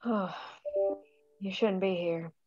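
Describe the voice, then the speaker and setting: A woman reading the part of a gentle, caring woman who organizes a camp, at a table read. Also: mid-range voice, steady tone, extremely slow, highs cut off.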